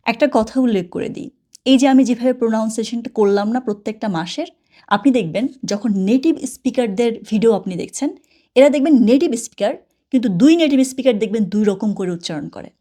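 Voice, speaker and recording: A woman's voice: medium pitch, mellow. A Bengali-speaking woman teaching German, talking casually and often checking with the learner. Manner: keeps asking "okay?" and has the learner repeat after her. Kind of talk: casual spoken lesson.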